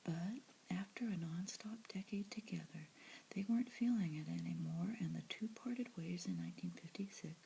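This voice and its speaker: A woman reading news articles aloud in a soft ASMR whisper, adding her own asides. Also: on the low side, normal speed, gravelly, a little hiss or hum, low-quality recording.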